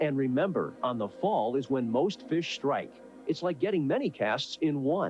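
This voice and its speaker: Music plays in the background as the voice, upbeat and enthusiastic in tone, moves through very wide pitch swings. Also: man. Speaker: infomercial host. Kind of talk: infomercial presentation. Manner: upbeat, enthusiastic.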